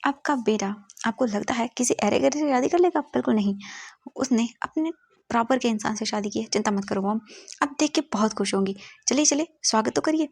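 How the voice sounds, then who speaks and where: A woman's voice: fairly high pitch, brisk, gravelly, a little mellow, husky, dry recording. Woman putting on a wheedling teasing young groom. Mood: pleading. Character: playful teasing young man, new groom.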